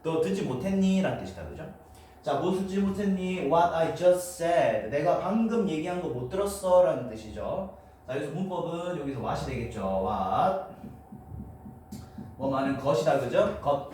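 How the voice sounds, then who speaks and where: A male teacher giving a classroom lecture on English grammar, explaining step by step and checking in with students. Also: medium pitch. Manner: explains step by step, often asking students for agreement. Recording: roomy, distant, noisy room mic.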